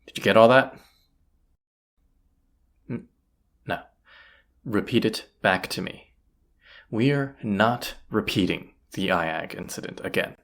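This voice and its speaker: A performer voicing a folksy, plain-spoken bandit leader in an audio roleplay, with a gravelly, husky voice and a conversational, wry manner. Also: low voice, lively intonation, slow, long pauses, heavily acted. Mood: commanding, focused. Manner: folksy, conversational, hushed at times. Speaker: character voice actor. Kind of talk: immersive audio roleplay acting, addressing the listener.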